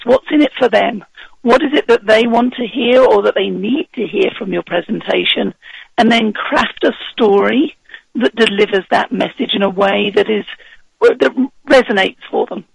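Husky, strained man guest, instructive, raspy and high. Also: moderate pace, dry recording, low-quality recording. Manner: confident, instructive. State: husky voice from heavy speaking. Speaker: guest, presentation coach. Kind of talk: advice in a radio interview.

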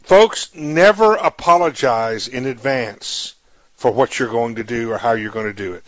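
A man hosting a radio interview, talking in a halting way with many restarts and emphatic asides to his listeners. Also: medium pitch, a bit bright, no room sound, lo-fi sound. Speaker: radio show host. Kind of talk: interview talk.

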